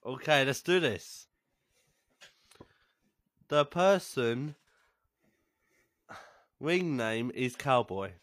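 A man's voice: mid-range voice, animated, extremely slow, long pauses, a bit bright, no echo, studio quality. A man, co-hosting a podcast in a rambling, hesitant way, often trailing off mid-thought. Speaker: podcast co-host. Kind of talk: casual chat.

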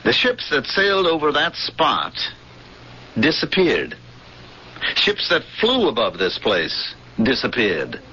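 An actor playing a haunted veteran spaceship pilot in 1970s radio drama, pleading and obsessive, with intense, halting, stammered repetitions. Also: male voice, medium pitch, wildly swooping pitch, bright, forceful tone, full character voice. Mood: desperate insistence. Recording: dull, noisy old radio broadcast.

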